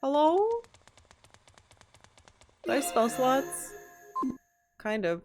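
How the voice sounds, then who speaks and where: A woman streamer giving casual live let's-play commentary, reacting aloud to the game with excitement. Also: high voice, drawn-out words, music in the background. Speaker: streamer playing a video game.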